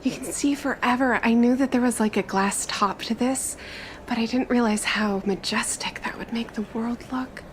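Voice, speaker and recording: A woman's voice: fairly high pitch, normal speed, slight background noise, natural voice. A woman playing an eager, chatty young traveler in a tabletop roleplay, with gushing, informal, stop-start chatter. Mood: awed, excited.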